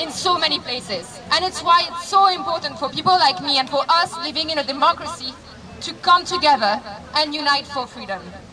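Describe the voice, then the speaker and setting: In a French accent, a woman projects a raised voice at a high pitch, with lively intonation and a fairly quick pace, crowd noise audible in the background. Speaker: activist. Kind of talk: rally speech. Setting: outdoors. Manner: loud.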